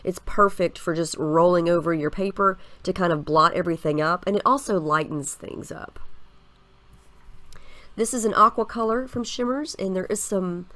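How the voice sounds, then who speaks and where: A woman's voice: on the low side, normal speed, no echo. A woman in her thirties with a stuffy, scratchy voice from a head cold, chatting casually as she narrates a scrapbooking process. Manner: chatty, relaxed, explains each step with fillers. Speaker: scrapbooking video host.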